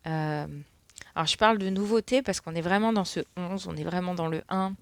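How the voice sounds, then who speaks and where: A woman's voice: lowish voice, fairly quick, smooth. A middle-aged woman giving a casual spoken card reading, rambling with many fillers. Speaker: tarot card reader.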